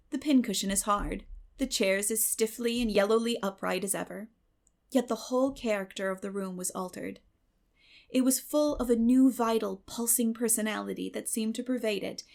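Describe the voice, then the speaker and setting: A woman's voice: medium pitch, vocal fry, a little mellow. A woman giving a scripted, dramatic literary narration as an audiobook reader.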